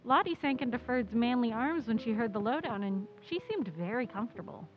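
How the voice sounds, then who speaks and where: Female actor as wry, soft-hearted forties radio girlfriend, highish animated voice, slightly dull recording. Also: fairly quick, lightly acted. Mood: wry, tender. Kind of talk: 1940s radio drama acting.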